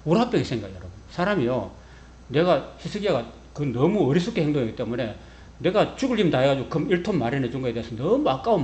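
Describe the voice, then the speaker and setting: A male pastor with a medium-pitched voice preaches a sermon, telling the story in a lively, humorous way and acting out the quotes.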